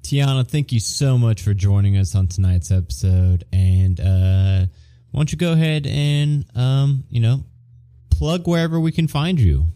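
A man's voice: mid-range voice, animated, measured pace, warm tone, smooth, no echo. Male game master and host, mid-range voice, casual improvised narration, dry recording.

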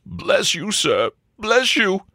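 A servile and faithful butler from a comic storybook, as a man reads him. He is deferential to his betters, with an expressive, moving pitch and a dry sound. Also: a little slow, no room sound, heavily acted. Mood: grateful, tearful.

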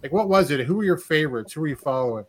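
A man's voice: a little high, lively intonation, very fast, breathy edge. A man hosting a podcast and asking a guest questions with enthusiasm. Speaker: podcast host. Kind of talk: casual interview.

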